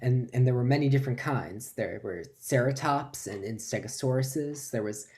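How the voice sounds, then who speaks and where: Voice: mid-range voice, moderate pace, a little mellow, close to an everyday voice. A performer playing a flustered, forgetful lecturer who stammers and repeats words through a comic stage monologue. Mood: hesitant, earnest.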